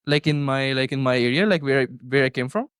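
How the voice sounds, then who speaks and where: A man's voice: medium pitch, fast talker, fairly bright tone, clean tone, no echo. Young male student, hesitant casual answers, very dry, clean voice. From Punjab, India. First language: Punjabi. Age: young adult. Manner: hesitant, many fillers and restarts. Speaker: student interviewee.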